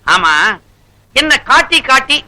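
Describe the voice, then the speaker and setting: A man's voice: very high voice, very animated, takes it slowly, very noisy, exaggerated voice. A man voicing a stern middle-aged male schoolteacher who scolds a pupil. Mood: scolding. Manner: scolding, insulting.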